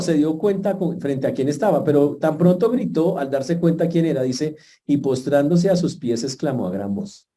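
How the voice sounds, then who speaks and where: Male pastor, very dark and mellow voice, lively storytelling sermon with asides to the church. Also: a little high. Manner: lively storytelling preaching with jokes and asides to the congregation.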